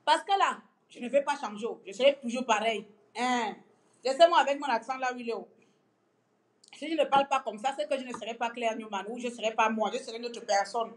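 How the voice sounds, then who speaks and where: A woman's voice: a little high, brisk. Mocking Gabonese woman vlogger. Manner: mocking, animated, breaks into song. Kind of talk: casual political rant.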